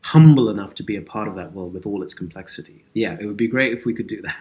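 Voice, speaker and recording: A man's voice: fairly low pitch, fast, a little mellow. A man speaking as an interview guest, reflective, earnest and articulate, like an actor and writer discussing his craft. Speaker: interview guest, actor and audio drama creator.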